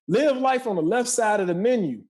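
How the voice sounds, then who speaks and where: A man's voice: high voice, animated, normal speed, darkish tone. A man in his forties giving a motivational talk as a podcast guest, emphatic and preacherly, repeating phrases for effect.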